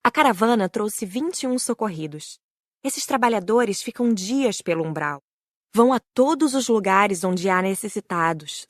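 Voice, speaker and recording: A woman's voice: mid-range voice, no echo, studio quality. A woman with a Brazilian accent reading a scripted first-person audiobook narration.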